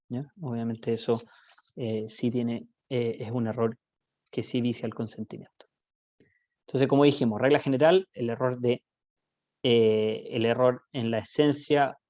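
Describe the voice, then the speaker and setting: A man with a Chilean accent giving an online law lecture, explaining with everyday examples, often pausing on "eh" and checking in with "¿ya?". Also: medium pitch, a little mellow, dry recording, lo-fi sound.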